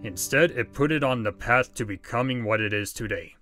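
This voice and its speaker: A man plays a stern male spirit guide in an audio drama. He speaks formally and with authority, quick to sound exasperated. Music plays clearly behind him. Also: mid-range voice, bright, forceful tone, close to an everyday voice. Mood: solemn. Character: stern, impatient male ghost of Christmas past. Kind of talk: fan audio drama acting.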